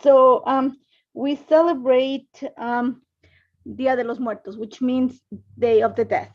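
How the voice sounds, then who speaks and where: A middle-aged Ecuadorian woman hosts a casual craft livestream from her home craft room, chatting, rambling and greeting viewers by name. Her voice is high and slow with fairly even intonation. The phone-and-laptop livestream setup gives dull lo-fi audio.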